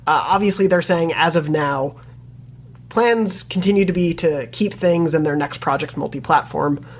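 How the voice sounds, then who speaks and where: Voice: medium pitch, normal speed. A podcast host talking through a news item in casual panel discussion, with many restarts, then passing questions to co-hosts.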